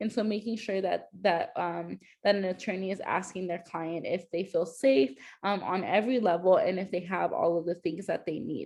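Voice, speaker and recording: Speaking with a Spanish accent, a woman of medium pitch uses vocal fry and ordinary pitch variation. She keeps a moderate pace over a quiet background. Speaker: youth advocate and former foster youth. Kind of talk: training presentation. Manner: halting, many fillers and repeats.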